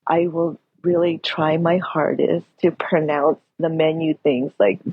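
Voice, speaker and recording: A woman's voice: deep voice, steady tone, a little slow, breathy edge, no room sound, phone-quality sound. A woman who is a podcast guest, telling stories in a casual chat and laughing often. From United States. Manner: laughs often, chatty storytelling.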